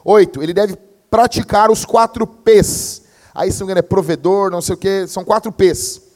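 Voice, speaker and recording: A young adult man, preaching a sermon as pastor in a slangy, animated storytelling manner. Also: sits high, fairly quick. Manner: slangy, animated storytelling, peppered with "meu" and "cara".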